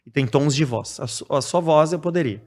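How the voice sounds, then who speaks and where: A man from Brazil, a podcast guest talking casually in a blunt, direct way and growing animated when he explains. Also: on the high side, normal speed. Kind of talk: casual conversation.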